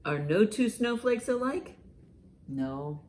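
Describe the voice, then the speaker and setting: A woman hosting a children's storytime, reading and explaining in simple, expressive language meant for young listeners. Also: mid-range voice, takes it slowly, slight background noise. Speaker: children's librarian, storytime host. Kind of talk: children's storytime, reading a picture book aloud and commenting.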